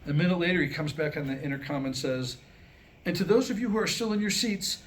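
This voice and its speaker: A joke teller at a staged reading delivers Jewish jokes to a small live audience in a room, performing the dialogue like a storyteller. He speaks fast and animatedly, his voice on the high side. The recording of the live room is noisy.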